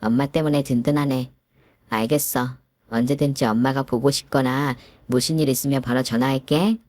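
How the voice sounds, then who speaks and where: An upbeat young married daughter, reassuring and positive, as read by a woman storyteller. The voice sits very low for a woman and sounds dry and close. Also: fairly even intonation, normal speed, darkish tone, dry recording.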